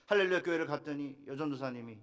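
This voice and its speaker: A middle-aged male pastor delivers a revival sermon from a church pulpit. His voice sits a little high for a man, and he tells a personal family story, lifting his voice when he acts out prayers and quoted lines. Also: very fast. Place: church sanctuary.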